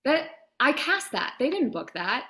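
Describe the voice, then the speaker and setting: A woman's voice: high-pitched, big pitch swings, measured pace, sharp tone. A woman talking as an interview guest in an enthusiastic, chatty, emphatic conversational manner, explaining her work as a producer and director.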